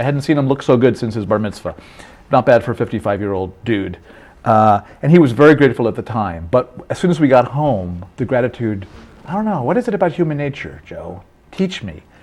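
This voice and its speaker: Talking at a fairly quick pace, a man with a Rhode Island accent uses a medium pitch with very wide pitch swings. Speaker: author. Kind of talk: interview. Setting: studio.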